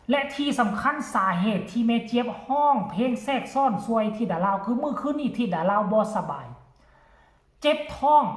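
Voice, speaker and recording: A woman commentator with an Isan accent, speaking earnestly to viewers and defending someone against critics. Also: fairly high pitch. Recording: echoey room.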